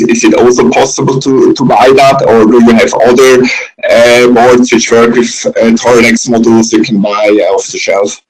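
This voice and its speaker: A man from Switzerland with a Swiss accent, moderating a webinar question-and-answer session in a hesitant, halting way. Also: medium pitch, low-quality recording.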